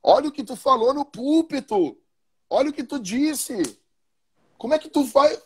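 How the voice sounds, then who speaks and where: A man's voice: extremely high pitch, expressive, normal speed, darkish tone, slightly rough, voice pushed up, heavily acted. A man voicing his frank, scolding wife in his own everyday voice.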